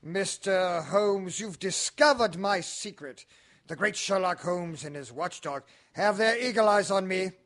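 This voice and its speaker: Man acting a high-voiced, sly, mocking villain. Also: unhurried, a bit bright. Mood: taunting, menacing. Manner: arch, taunting, falsely genial. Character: sly, mocking male heir with murderous plans. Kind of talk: radio mystery drama acting.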